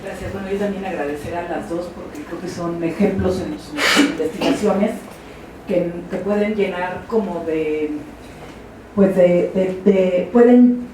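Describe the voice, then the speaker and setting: Halting questioner in an echoey hall. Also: mid-range voice, darkish tone. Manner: halting, searching for words. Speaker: audience member asking a question. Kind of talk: unscripted question at a panel Q&A. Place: large lecture hall. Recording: distant voice in an echoey hall, audible noise.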